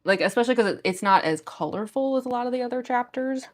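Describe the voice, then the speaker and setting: A young woman with a gruff voice that is going hoarse, chatting casually with viewers on a livestream in a rambling way full of fillers. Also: on the high side, expressive, fast. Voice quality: gruff, smoker-like voice. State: losing her voice. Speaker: livestream artist. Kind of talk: casual chat with stream viewers.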